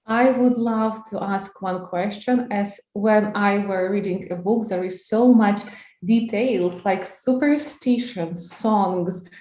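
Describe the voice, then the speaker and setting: A woman's voice: medium pitch, takes it slowly, a little mellow. A woman whose first language is Ukrainian, asking a question carefully in slightly non-native English. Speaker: audience member asking a question. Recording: echoey room.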